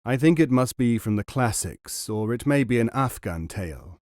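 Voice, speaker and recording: A proud young Arab prince, formal and a little insistent, in an ordinary mid-pitched male voice, as a man reading puts him on. The sound is close and dry. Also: expressive, normal speed, darkish tone, dry recording, natural voice.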